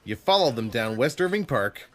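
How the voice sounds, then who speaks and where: An actor playing a brusque, businesslike police sergeant in an audio drama, curt and in charge. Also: male voice, medium pitch, big pitch swings, normal speed, fairly bright tone. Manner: curt, authoritative. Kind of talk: full-cast audio drama acting.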